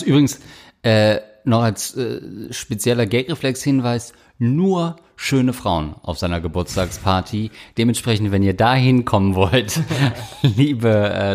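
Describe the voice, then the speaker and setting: A man's voice: on the low side, unhurried, darkish tone. A man co-hosting a casual comedy podcast, teasing his partner with crude jokes and reading out listener questions. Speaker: podcast co-host.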